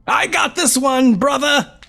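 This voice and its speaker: A man voicing a tiny, territorial, mischievous brownie in a small, raspy pixie voice for a tabletop game. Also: very high-pitched, slow pace, sharp tone, voice pushed up, full character voice. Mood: defiant. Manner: small pixie-like voice, bickering and indignant.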